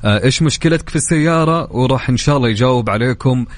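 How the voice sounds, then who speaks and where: A man's voice: mid-range voice, very fast, no room sound. A man with a Saudi accent hosting live radio, effusive, welcoming and colloquial, chatting through contests and announcements. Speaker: radio show host. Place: radio studio. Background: music bed.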